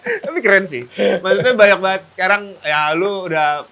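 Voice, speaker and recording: A man's voice: high-pitched, animated, normal speed, sharp tone, dull audio. A man with a Jakarta Indonesian accent hosting a casual interview in a chatty, slangy, exclamatory way. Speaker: talk show host, interviewer. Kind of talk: casual chat. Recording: faint hiss behind the voice.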